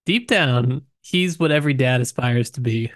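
A man's voice: medium pitch, moderate pace, dry recording, studio quality. A man co-hosting a podcast, casually discussing a book in a joking, loosely worded way. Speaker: podcast co-host.

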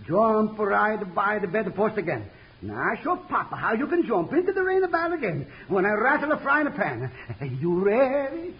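A man's voice: sits high, very animated, moderate pace. An actor playing a fervent immigrant man who dotes on his pet, speaking broken English in an old radio western. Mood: eager coaxing. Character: excitable immigrant man, doting frog owner. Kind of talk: 1950s radio western acting. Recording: noisy, dull vintage radio recording.

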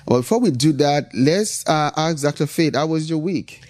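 A middle-aged Nigerian man with a Nigerian accent hosts a motivational business podcast, emphatically hammering his points through repetition and frequent "right?". His voice is fairly high, expressive and a little mellow, at a moderate pace.

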